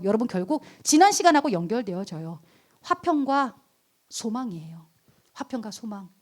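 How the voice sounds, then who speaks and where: A woman in her thirties preaching to high school students as their youth pastor, asking them questions and acting out quoted voices. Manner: animated, acts out quoted voices, asks the listeners questions.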